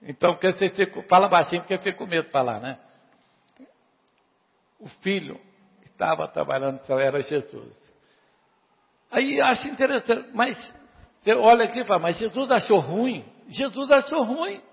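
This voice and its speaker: A man preaching a sermon, animated, questioning his congregation and urging them to answer louder. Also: sits high, normal speed, vocal fry, pauses often, slightly rough, in a large hall, highs cut off. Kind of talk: sermon retelling a parable.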